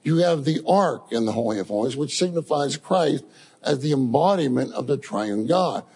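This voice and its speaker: Man, sermon, husky voice, animated storytelling preacher. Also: mid-range voice, normal speed, long reverb tail. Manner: animated storytelling, addresses congregation as saints.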